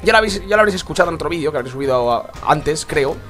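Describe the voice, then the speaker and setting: A young man, commenting on a mobile game he is playing, congested and sore-throated from a cold, swinging between low muttering and excited outbursts. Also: rapid-fire, faint music behind. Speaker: gaming YouTuber. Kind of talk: let's play commentary.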